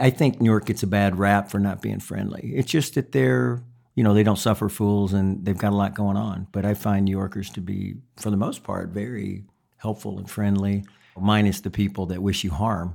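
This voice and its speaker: A man talks with a Texas accent. His pitch is fairly low. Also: ordinary pitch variation, moderate pace. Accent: Southern US with Austin Texas tinge. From Memphis, Tennessee. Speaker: stand-up and improv comedian. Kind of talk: casual interview chat.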